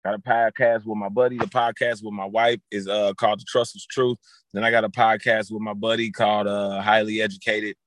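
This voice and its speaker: A man's voice: lowish voice, flat delivery, fairly quick, no echo. A man in his thirties, a guest and football coach, talking casually on a podcast with many fillers and restarts. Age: 30s.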